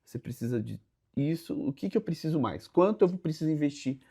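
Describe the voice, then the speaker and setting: A man's voice: on the high side, animated, fairly quick, creaky, mellow, breathy edge. A Brazilian man with a Brazilian Portuguese accent hosting a podcast, reacting with exclamations and asking hypothetical questions. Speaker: podcast host. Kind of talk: casual podcast interview.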